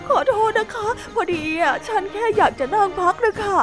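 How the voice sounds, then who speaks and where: A woman's voice: very high voice, a little slow, voice pushed up. A woman voicing a shy, clumsy young female hippo who keeps apologizing through tears. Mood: tearful apology. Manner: apologetic, tearful. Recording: music underneath.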